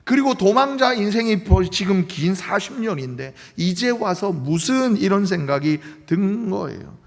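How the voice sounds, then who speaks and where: Man, pastor, sermon, high voice, lively swings in pitch, long church reverb. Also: measured pace, gravelly. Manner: animated preaching, asks the congregation questions. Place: church sanctuary.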